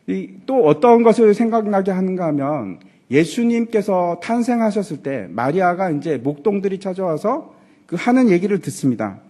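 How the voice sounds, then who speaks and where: A pastor preaches to his congregation in a church with lively energy. The man's voice sits high and swings widely in pitch. It has a slightly husky edge. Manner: animated preaching with rhetorical questions to the congregation; acts out quoted lines in character voices. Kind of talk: sermon. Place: church sanctuary.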